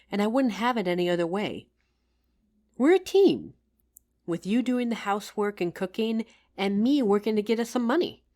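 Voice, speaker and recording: A woman's voice: mid-range voice, darkish tone, lightly acted. A woman playing a loving, tired career-woman wife in an intimate audio roleplay, speaking tenderly and teasingly as if to her husband.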